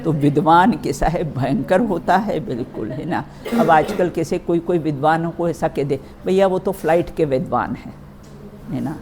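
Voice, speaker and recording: A woman's voice: deep voice, normal speed, a little mellow, a little hiss or hum. A woman teaching a religious philosophy class in a study hall, checking in often with her listeners.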